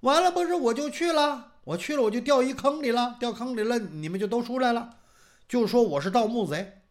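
A man's voice: very high voice, a little fast, pitched above the performer's own voice. A man voicing a flustered young merchant who stammers and pleads his innocence before a judge. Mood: pleading.

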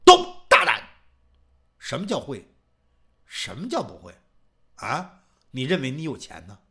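A man's voice: medium pitch, very animated, moderate pace, creaky, a bit bright, voice pushed down. A man voicing a stern, bullying middle-aged magistrate who barks scornful questions at the accused. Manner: barking, scornful interrogation.

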